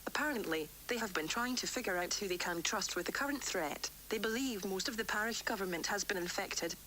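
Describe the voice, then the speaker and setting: A woman playing a worried, defiant doctor dictating formal, measured research logs for an analog horror tape series, recorded on vintage cassette. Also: medium pitch, sharp tone, a little hiss or hum, natural voice. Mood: grave, disturbed. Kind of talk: analog horror tape log, scripted report.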